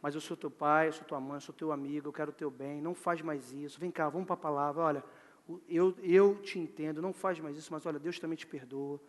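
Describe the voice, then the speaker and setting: A man voicing a devout father who calmly counsels and prays over his son in a soft, fatherly way. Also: fairly high pitch, a little fast, pitched below the performer's own voice, lightly acted. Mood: tender. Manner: soft, calm, fatherly, prayerful. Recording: long church hall reverb.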